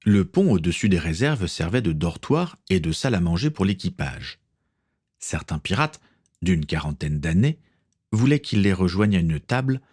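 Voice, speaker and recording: A man reading an adventure audiobook in a measured, expressive way. His voice sits on the lower side, but his inflection swings widely through each sentence. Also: breathy edge. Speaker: narrator. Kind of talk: audiobook narration.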